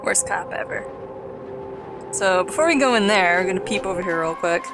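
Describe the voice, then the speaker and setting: A woman's voice: mid-range voice, animated, fairly quick. Dry, joking woman over game music. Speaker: let's play host. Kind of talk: casual game commentary.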